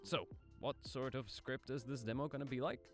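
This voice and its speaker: Man, mid-pitched voice, casual explainer narration, informal, self-deprecating, music underneath. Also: fairly even intonation, normal speed. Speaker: aspiring voice actor, video creator.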